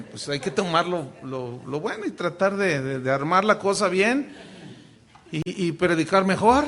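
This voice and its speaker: A Mexican pastor teaches his class in a high, ringing voice. He jokes often and restarts his phrases. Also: a little hiss or hum. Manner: animated, joking, many restarts.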